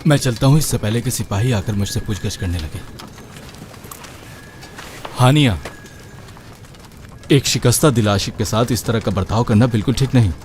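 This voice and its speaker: A man's voice: on the low side, moderate pace, pauses often, noisy background, close to an everyday voice. A man voicing a boastful but cowardly young suitor with a pleading, wheedling manner.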